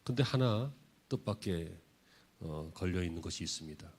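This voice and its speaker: A middle-aged man preaching a Sunday sermon as pastor, moving from quiet conversational storytelling to loud, emphatic declarations. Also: low-pitched, animated, moderate pace, husky.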